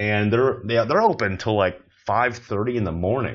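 This man has a normal speaking voice with an American accent, a fairly low pitch and ordinary pitch variation. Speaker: podcast host comedian. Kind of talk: casual comedic monologue. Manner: rambling, self-deprecating, filler-heavy; casual, jokey.

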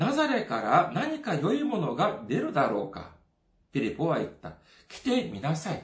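His high voice swings very widely in pitch as the man talks at a moderate pace. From South Korea, Seoul. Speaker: pastor. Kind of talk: sermon. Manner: formal.

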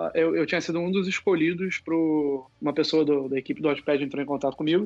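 This is a man's voice. He keeps his intonation fairly even. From Rio de Janeiro, Brazil. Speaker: fiction writer. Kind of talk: interview. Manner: halting, many fillers.

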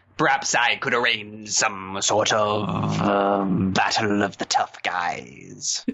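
A raspy man uses a put-on character voice at a fairly low pitch. He speaks at a very slow pace with hardly any pauses. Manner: grinning, smug, playful.

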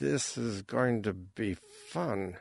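Doing a put-on character voice, a man sounds strained, with a fairly low pitch and lively intonation. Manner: through clenched teeth, strained.

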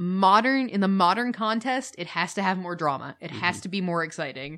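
A woman speaks in a plain, everyday voice at a medium pitch and a moderate pace, with an American accent and ordinary pitch variation. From United States. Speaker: podcast co-host. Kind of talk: casual chat.

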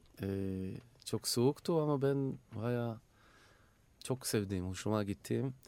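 Very slowly and with long, frequent pauses, a man speaks at a medium pitch in a dark, mellow tone, in a very clean recording with a silent background. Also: ordinary pitch variation. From Israel. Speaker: percussionist and composer. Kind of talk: radio interview. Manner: halting.

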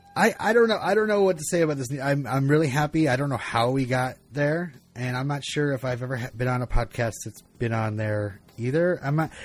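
Noticeable background noise sits behind a man who speaks at a moderate pace with lively intonation. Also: medium pitch for a man. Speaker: podcast host. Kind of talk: casual comedic podcast banter.

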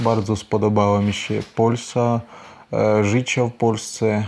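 A man with a Ukrainian accent, fairly low-pitched and monotone, at a very slow pace on a very clean recording with a silent background. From Ukraine, Donetsk region. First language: Ukrainian (speaking Polish). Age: 30s. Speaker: language learner. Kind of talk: recorded message.

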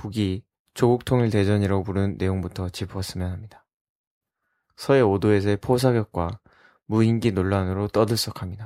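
On a very clean recording with a silent background, a man with a fairly low pitch and a dark, mellow tone speaks at a moderate pace, his intonation fairly even and his speech marked by long, frequent pauses. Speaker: interviewer host. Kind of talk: moderated discussion.

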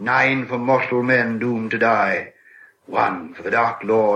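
A passage of reading aloud in a natural voice

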